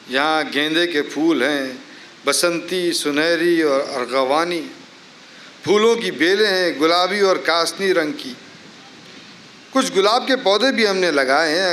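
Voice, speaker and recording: A man's voice: a little high, fairly bright tone, close to an everyday voice. A man reading aloud as an imprisoned poet writing reflective, wry letters home, in a live staged dramatic reading with literary phrasing. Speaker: dramatic reader. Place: live literary festival event in a garden. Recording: faint background noise, live festival stage.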